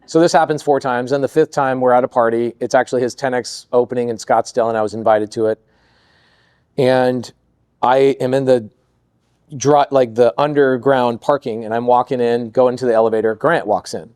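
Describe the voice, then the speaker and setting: Man, podcast guest, animated storyteller, mid-pitched voice, dry close sound. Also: moderate pace, clear, resonant tone, no room sound. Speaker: podcast guest, real estate investor. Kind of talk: storytelling interview chat.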